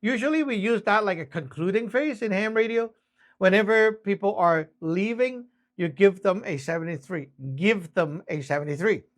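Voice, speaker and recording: A man's voice: high voice, moderate pace. A man teaching in a casual, conversational way, explaining step by step and often checking that listeners follow. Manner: conversational, frequent check-ins, spells things out step by step. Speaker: instructor teaching radio communication basics. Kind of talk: casual spoken lesson with acted-out example exchanges.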